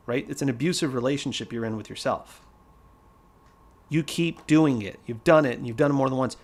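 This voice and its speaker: A man's voice: a little high, fairly bright tone. A man teaching trading on a casual livestream, blunt and emphatic, hammering his main points home by repeating them. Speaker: trading educator.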